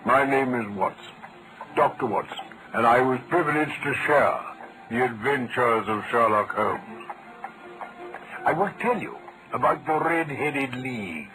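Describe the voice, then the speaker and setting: An actor playing a genial English doctor narrating detective adventures in an old-time radio drama, slightly pompous and deliberate. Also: male voice, mid-range voice, natural voice, low-quality recording. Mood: fond, storytelling. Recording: vintage radio recording over loud music.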